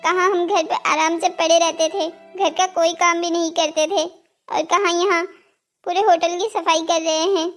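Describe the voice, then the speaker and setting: A woman's voice: very high voice, level tone, moderate pace, faint music behind. A woman voicing a naive, dutiful young boy in a cartoon story, polite and earnest. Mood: remorseful, earnest. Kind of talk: scripted cartoon story dialogue.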